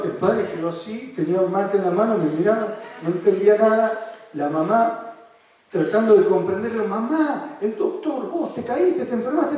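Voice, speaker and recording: Animated Argentine man, echoey and distant. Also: a little high. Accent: Argentine Spanish. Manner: animated storyteller who asks the audience rhetorical questions. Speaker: psychoanalyst lecturing in a seminar. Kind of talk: seminar talk with case stories. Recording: echoey room, voice from far off the mic.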